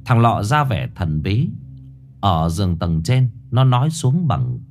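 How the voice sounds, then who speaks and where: A man narrating a horror story in an expressive, suspenseful way. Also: lowish voice, unhurried, faint music behind.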